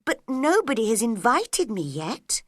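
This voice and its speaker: A woman's voice: a little high, very animated, measured pace, no echo, clean studio sound. A woman voicing a polite, curious young girl in a storybook reading, with a raised, questioning voice.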